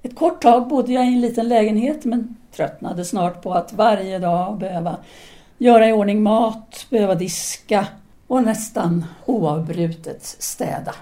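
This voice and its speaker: A woman's voice: medium pitch, mellow, lightly acted. A woman playing a self-assured, seductive philosopher-teacher in an audio drama, speaking in an articulate, formal, lecturing manner. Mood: earnest, philosophical. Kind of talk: audio drama dialogue acting.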